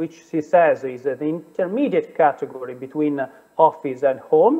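A man's fairly high-pitched voice over a quiet background. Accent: Italian. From Italy. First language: Italian. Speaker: law academic. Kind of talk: academic commentary. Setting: video call. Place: home room. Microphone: headset.

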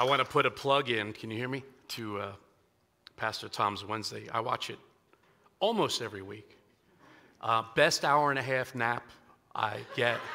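With a bright, sharp tone, a man speaks at a moderate pace with ordinary pitch variation, big swings in loudness, and long, frequent pauses. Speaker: worship pastor preaching. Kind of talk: sermon. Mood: joking, lighthearted. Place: church.

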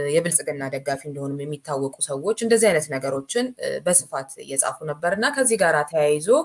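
Lively intonation marks a woman's speech, her pitch very deep and low. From Ethiopia. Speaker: political commentator. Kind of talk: political discussion. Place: home room.

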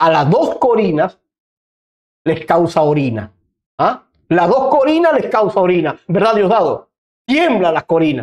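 A man speaks in an animated tone at a fairly slow pace, with long, frequent pauses. The background is quiet, though audible room echo comes through. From Venezuela. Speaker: political commentator. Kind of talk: political commentary. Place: studio. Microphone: lapel.

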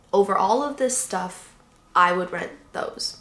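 Her delivery is fairly slow, and this woman's pitch varies an ordinary amount. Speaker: travel vlogger. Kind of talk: casual vlog chat. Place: home room.

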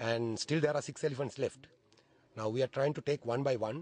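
In a Sri Lankan accent, a man speaks at a moderate pace and medium pitch, his tone dark and mellow with ordinary pitch variation, the sound dry and close with no echo. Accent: Sri Lankan English, moderate to strong. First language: Sinhala. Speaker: wildlife officer, elephant relocation team member. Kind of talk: interview answers in documentary.

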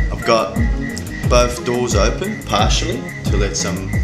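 Clear music sounds behind the speech. The speaker is a man. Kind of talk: tutorial. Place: workshop. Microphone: camera far.

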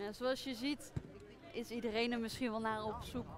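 Over noticeable background noise, a woman talks at a moderate pace in a fairly high, monotone, flat voice, the sound dry with no echo. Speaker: field reporter. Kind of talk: live commentary. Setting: outdoors. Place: street. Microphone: headset.

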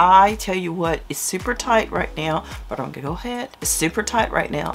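A woman does a raspy, put-on character voice at a moderate pace, with clear background noise behind her. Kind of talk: casual vlog chat. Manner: talking through a tight face mask.

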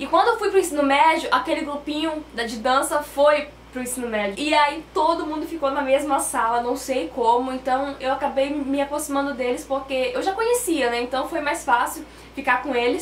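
Hardly pausing, the speaker keeps a moderate pace and ordinary pitch variation over noticeable background noise. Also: woman. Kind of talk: testimony. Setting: home bedroom.

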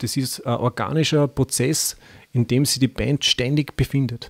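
Over a quiet background, a man talks at a fairly slow pace. His pitch is medium and his intonation fairly even. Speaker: metal band member; interviewee. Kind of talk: TV interview. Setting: TV studio. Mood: earnest, reflective. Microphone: handheld.

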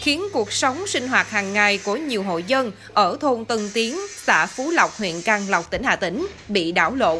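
Over music in the background, a woman speaks with a fairly high pitch and very wide pitch swings. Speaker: news reporter. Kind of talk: scripted news narration.

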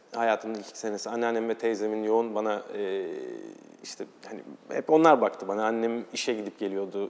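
A man is speaking with ordinary pitch variation. His pace is fairly quick. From Turkey, Istanbul. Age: 30s. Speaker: actor. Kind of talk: casual interview chat. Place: studio. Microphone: lapel.

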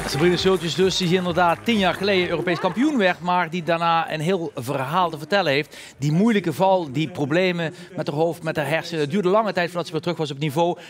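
A man speaks very fast in a high voice with ordinary pitch variation, over light background noise. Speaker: cycling broadcast host. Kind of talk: live commentary. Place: studio. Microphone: headset.

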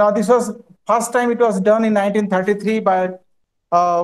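Speaking with an Indian accent, a man talks at a fairly slow pace in a high, monotone, flat voice. The background is quiet. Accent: Indian English (Odia). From India, Odisha. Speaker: university resource person lecturing economics. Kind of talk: lecture. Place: classroom. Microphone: audio problem at start; earbuds.

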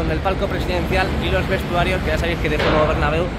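A man at a very fast pace, dry sound with no echo, loud background noise behind him. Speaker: construction site vlogger. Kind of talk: commentary. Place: stadium. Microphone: phone near.

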